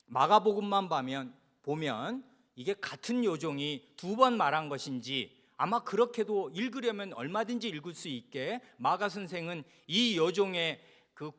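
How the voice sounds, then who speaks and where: A male pastor preaching a sermon in a bright, fairly high voice that rises and falls a great deal. He keeps it expressive, throwing questions to the congregation and slipping into the voices of the people in his story. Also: moderate pace. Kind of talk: expository sermon. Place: church service.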